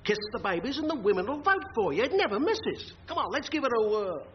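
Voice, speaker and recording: A man's voice: very high voice, very animated, quick pace. A man playing a cheery, blundering sidekick full of schemes in a radio sitcom, matey and blunt. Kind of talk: scripted radio sitcom acting. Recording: muffled, faintly hissy comedy recording.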